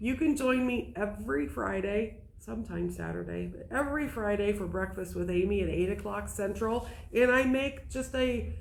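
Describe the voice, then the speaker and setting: Audible room echo follows a woman as she talks fairly slowly. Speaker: quilt shop owner and sewing show host. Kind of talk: live-stream sewing tutorial.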